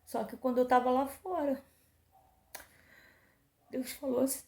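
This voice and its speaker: A woman's voice: high voice, fairly even intonation, unhurried, vocal fry. A middle-aged woman pastor giving a personal testimony, telling the story with emotion and acting out the dialogue. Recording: roomy echo.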